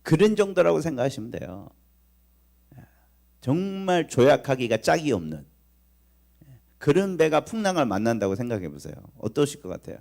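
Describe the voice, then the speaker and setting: A man preaching a Sunday sermon as pastor, his voice rising and falling in wide, animated swings. He tells the story with acted-out lines and keeps turning to the congregation with questions. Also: medium pitch, moderate pace, gravelly, long pauses. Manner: talks directly to the congregation, asking questions.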